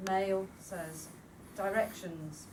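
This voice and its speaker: A woman's voice: mid-range voice, fairly even intonation, takes it slowly. A woman reading out a draft radio drama informally, giving dialogue and sound cues matter-of-factly. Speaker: writing workshop participant reading out a script. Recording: distant mic in a noisy room.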